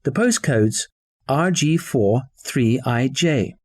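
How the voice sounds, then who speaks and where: Brief: easygoing male customer, clear studio read. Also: medium pitch, lively intonation, a little mellow. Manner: spells and reads out details slowly, casual. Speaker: customer and caller in scripted dialogues. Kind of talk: scripted listening-exercise dialogue.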